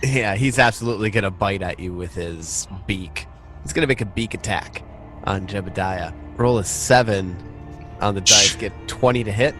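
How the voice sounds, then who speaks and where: A man's voice: on the low side, normal speed, fairly bright tone, soft background music. A man casually narrating a tabletop game as game master, in informal, sweary language.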